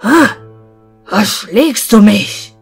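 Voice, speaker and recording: A woman voicing a huge, sleepy male giant in a fairy-tale audiobook, grumbling his lines slowly. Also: mid-range voice, expressive, gravelly, breathy edge, faint music behind, full character voice. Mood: grumpy.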